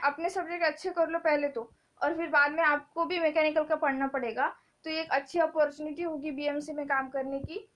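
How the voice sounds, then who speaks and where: A high-pitched young woman talks students through exam topics in a relaxed, conversational way. She drops English technical terms into her speech and slows right down when reading lists. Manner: chatty, mixes English terms, reads topic lists slowly. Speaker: exam coaching teacher. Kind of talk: casual exam-prep lesson in Hindi-English.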